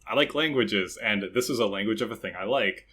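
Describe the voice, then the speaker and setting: A man hosting a podcast, asking casual questions with a relaxed, laughing manner and plenty of uhs and likes. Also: fairly low pitch, brisk, slightly rough. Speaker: podcast host.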